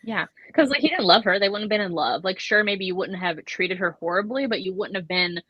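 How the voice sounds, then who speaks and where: A woman's voice: mid-range voice, fairly quick, breathy edge, no room sound, dull audio. A woman chatting casually in a book discussion, talking in a filler-heavy way and slipping into imagined dialogue. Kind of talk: casual book club chat.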